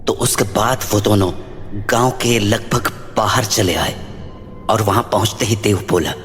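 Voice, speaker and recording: A man narrating a horror story in a measured, dramatic way. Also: lowish voice, a bit bright, slight background noise. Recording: long reverb.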